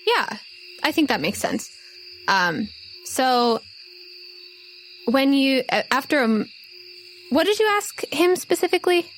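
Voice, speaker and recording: A woman's voice: high voice, expressive, a little slow, long pauses, faint music behind. A woman game master and podcast host narrating a tabletop game in conversation with players.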